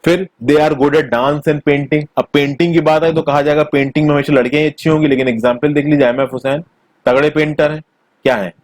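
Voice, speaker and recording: A man teaching a school textbook chapter in a conversational way, mixing in English terms, recorded on a close mic in a small quiet room. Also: a little high, steady tone, brisk, no echo. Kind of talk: textbook lesson explanation.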